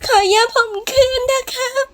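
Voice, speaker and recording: A frail young man, put on by a woman reader, crying and pleading in a very high, strained voice, his words sometimes breaking into shouts. The delivery is slow and drawn out, as in an audiobook drama. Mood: sobbing. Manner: pleading, sobbing, rising to shouts. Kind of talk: audiobook voice acting.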